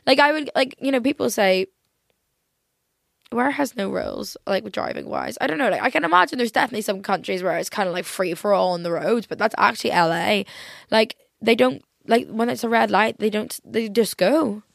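A young woman with a softened Northern Irish accent, chatting casually in a rambling, exaggerating way as a podcast host. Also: medium pitch, expressive, fairly quick, gravelly, no room sound, studio quality. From Northern Ireland. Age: young adult.

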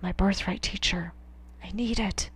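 A woman voicing a terse, determined young male gunslinger, speaking quietly in clipped phrases. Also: mid-range voice, fairly even intonation, unhurried, breathy edge.

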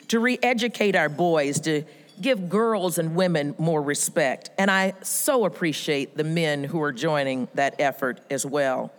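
A woman giving an emphatic motivational speech, telling stories with lively quoted voices. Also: lowish voice. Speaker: speaker at a women's event. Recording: reverberant hall.

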